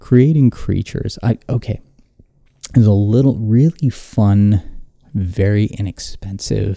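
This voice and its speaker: Quietly, a man speaks in a dark, mellow tone at a fairly low pitch. He keeps a fairly slow pace with ordinary pitch variation. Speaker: podcast host and indie filmmaker. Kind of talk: casual solo podcast monologue. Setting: home at midnight. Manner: quiet, low voice; hesitant, many fillers.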